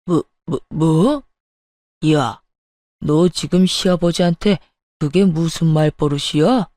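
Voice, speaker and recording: A woman's voice: lowish voice, fairly even intonation, measured pace, warm tone, no echo, clean studio sound, voice pushed down, close to an everyday voice. A woman voicing a domineering older father-in-law in a radio story, stern and scolding. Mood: stern angry.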